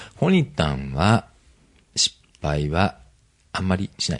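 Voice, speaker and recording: A man is speaking. His pitch swings very widely. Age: 40s. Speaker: podcast host. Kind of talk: casual interview.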